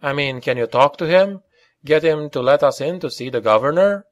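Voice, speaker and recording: A man's voice: a little high, expressive, normal speed, voice pushed up, close to an everyday voice. A man voicing an earnest, questioning companion in an audiobook. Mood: uncertain.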